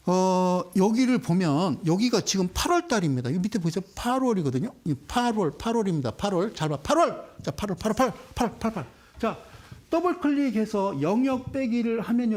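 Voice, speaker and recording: Lively high-voiced male stock lecturer. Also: moderate pace. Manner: teasing, banters with rhetorical questions; repeats key words emphatically. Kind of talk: animated classroom lecture.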